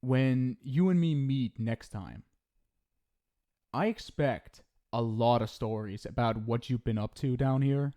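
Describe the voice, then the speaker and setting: A man's voice: mid-range voice, slow pace, dark tone, close to an everyday voice. A man playing an affectionate, centuries-old ghost soulmate in an intimate ASMR roleplay, speaking casually and hesitantly. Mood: shy, tender. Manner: casual, hesitant, tender, reassuring.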